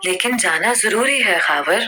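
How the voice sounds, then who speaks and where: A woman voicing a shy, modest teenage girl who answers softly in a read-aloud story. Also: medium pitch, animated, unhurried, soft background music. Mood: demure.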